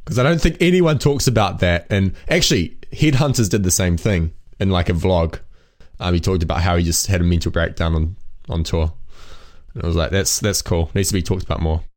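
A man's voice: deep voice, brisk, a little mellow. A man hosting a music production podcast, talking in a thoughtful, conversational way and asking questions. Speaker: podcast host. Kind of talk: casual podcast interview.

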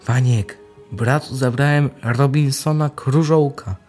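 A man's voice: medium pitch, fairly even intonation, slow pace, darkish tone, soft background music, close to an everyday voice. A young male performer playing an earnest poor boy from a mining town in a radio play, with a Silesian Polish accent. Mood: solemn, tender.

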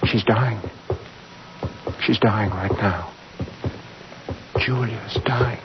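An actor playing a domineering, murderous village doctor in an old-time radio drama, speaking in an intense, commanding, clipped manner. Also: male voice, on the low side, drawn-out words, very noisy. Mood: morbid, feverish. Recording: dull vintage radio recording, loud music.

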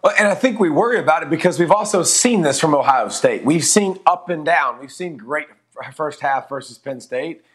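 Energetic male football pundit. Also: a little high, normal speed, husky. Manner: energetic, agrees and builds on others. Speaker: football analyst. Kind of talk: sports analysis.

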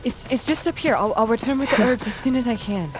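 An actress playing a resolute, protective tribal sister in an audio drama, speaking tersely and earnestly with urgency. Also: female voice, fairly high pitch, fast talker, lightly acted. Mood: determined, tender. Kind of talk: audio fiction drama acting. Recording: music bed under the dialogue.

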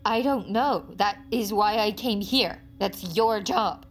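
An actress playing a frantic, grieving mother who stammers and rises to desperate shouts under police questioning. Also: mid-range voice, slow, slight background noise. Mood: pleading.

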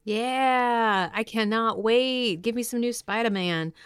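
A woman's voice: on the high side, slow pace, smooth, no echo, clean studio sound. A woman co-hosting a podcast, presenting upbeat comic-book news in an enthusiastic, playful, slangy way. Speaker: podcast co-host.

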